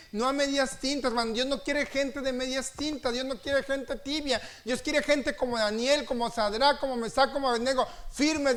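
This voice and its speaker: A man with a Mexican Spanish accent preaching a sermon in a church, emphatic and full of repeated refrains, his voice swinging between loud peaks and soft drops. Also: extremely high pitch. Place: church sanctuary.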